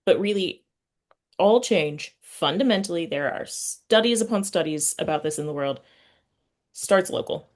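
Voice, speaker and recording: A woman with a fairly low voice talks in a relaxed interview setting as the host. She is thoughtful and halting, often stopping partway through a sentence to search for the right words. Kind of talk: casual conversational interview.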